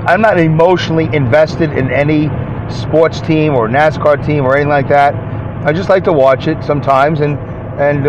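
A man hosting a solo podcast, rambling and self-deprecating with lots of fillers, sounding congested. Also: medium pitch. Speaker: podcast host. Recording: dull lo-fi sound with noise.

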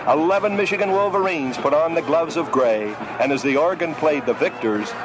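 A man's voice: fairly high pitch, a little fast, noisy background. A man reciting a rhythmic, solemn poem, heard as an archival clip.

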